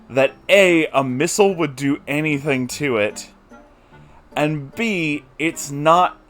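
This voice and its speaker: A man's voice: medium pitch, a bit bright. A man giving a comedic recap of a book chapter, exasperated and incredulous, with laughing asides. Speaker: book reviewer.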